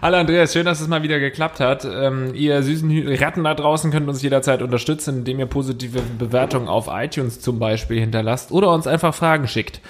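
A man co-hosting a comedy podcast, welcoming listeners and trading easy banter. He slips deadpan made-up facts and dry wisecracks into casual talk. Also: medium pitch, quick pace, few pauses. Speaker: podcast co-host.

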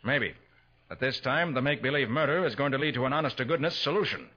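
A man acting a confident master detective in a 1940s radio crime drama, brisk, deliberate and authoritative. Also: medium pitch, close to an everyday voice. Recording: dull vintage 1940s radio recording.

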